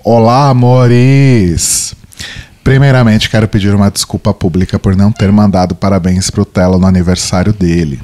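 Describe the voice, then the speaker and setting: Deep-voiced man with a cold. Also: moderate pace. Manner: playful, chatty, reads at a steady pace. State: has a cold. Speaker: podcast co-host. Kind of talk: casual chat, reading listener emails aloud.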